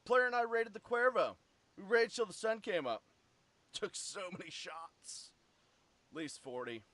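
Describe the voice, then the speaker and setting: A man's voice: high-pitched, expressive, a little slow, sharp tone, full character voice. A man playing a hard-drinking young party-bro soldier in a cartoon, slangy, crude and dramatic. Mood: hungover annoyed.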